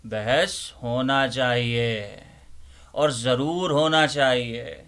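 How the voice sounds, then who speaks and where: A man playing a bookish old librarian uncle, giving theatrical, emphatic Urdu-literature readings with deliberate repetition. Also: mid-range voice, steady tone, a bit bright, clean tone, natural voice. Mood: earnest, pleading. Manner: emphatic, deliberate, repeats phrases rhetorically. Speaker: host, dramatic reader of Urdu literature. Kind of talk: theatrical dramatic reading and monologue.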